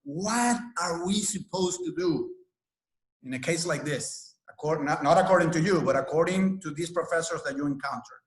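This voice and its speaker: A man's voice: on the high side, normal speed, echoey room, poor audio. A man from Venezuela interviewing a guest in conversation, skeptical and telling stories to make his point. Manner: skeptical, storytelling, laughs while questioning.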